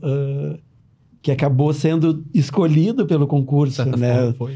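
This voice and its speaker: This man's voice is fairly high-pitched, with a dark, mellow tone. He speaks very slowly over a quiet background. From Porto Alegre, southern Brazil; Rio Grande do Sul, Brazil. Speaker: state attorney. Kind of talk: casual panel discussion. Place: studio. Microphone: studio mic.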